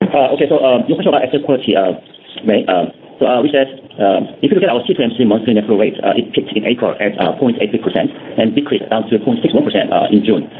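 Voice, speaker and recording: A man's voice: medium pitch, fast. A man answering as a company executive on a conference call, unscripted and hesitant, over a phone line. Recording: narrow phone line with faint noise.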